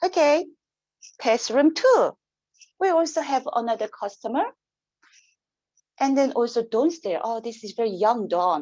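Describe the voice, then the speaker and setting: With a Korean accent, the speaker goes at a fairly slow pace, leaving long, frequent pauses and making very wide pitch swings. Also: woman, high pitch for a woman. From South Korea. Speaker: test centre staff member. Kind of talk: guided tour demonstration. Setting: test centre. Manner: casual, hesitant with fillers.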